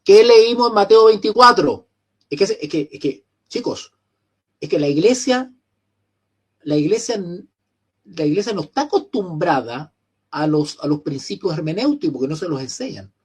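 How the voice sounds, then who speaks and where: A Chilean man teaching an online theology lecture, often repeating phrases, clearing his throat and putting questions to his students. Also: high-pitched, animated, moderate pace. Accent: Chilean Spanish.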